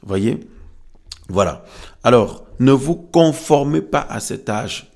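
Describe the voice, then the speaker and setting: A man preaching a sermon, teaching from scripture in a halting way and repeating phrases for emphasis. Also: medium pitch, expressive, gravelly, a little mellow. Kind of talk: French-language evangelical sermon, teaching from Bible verses. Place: room with some resonance.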